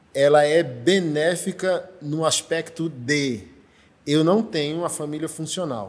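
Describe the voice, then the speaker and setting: A man with an ordinary speaking voice talks at a fairly slow pace, his pitch varying in an ordinary way. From Northeast Brazil. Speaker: pastor and podcast host. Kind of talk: podcast interview.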